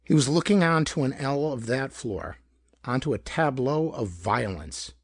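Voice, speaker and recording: A man reading a pulp detective story aloud as scripted narration, with a slightly rough voice and dramatic, expressive delivery. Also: mid-range voice, a little slow, no room sound, studio quality. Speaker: audiobook narrator.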